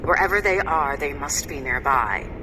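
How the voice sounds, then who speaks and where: Imperious villainess over noisy comms. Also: female voice, low voice, expressive, normal speed. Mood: cold, threatening. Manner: haughty, cutting, commanding. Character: imperious, menacing female villain director. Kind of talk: audio drama acting.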